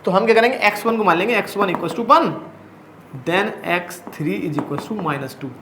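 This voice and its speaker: High-voiced man teaching in an echoey room. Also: moderate pace, noisy background. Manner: explains step by step, asking the class rhetorical questions; casual and chatty, calls students brother. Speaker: math teacher. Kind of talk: blackboard lecture.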